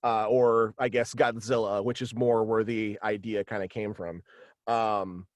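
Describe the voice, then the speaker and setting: A man in his thirties casually explaining his creative work as an interview guest, in a halting, meandering way. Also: on the low side, little pitch movement, no echo. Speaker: guest, voice actor and writer. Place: small indoor home setup, video call.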